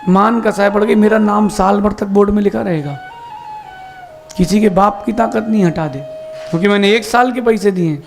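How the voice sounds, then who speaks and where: A man, a Jain monk, giving a sermon with slow emphatic explanations and rhetorical questions. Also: high voice, soft background music.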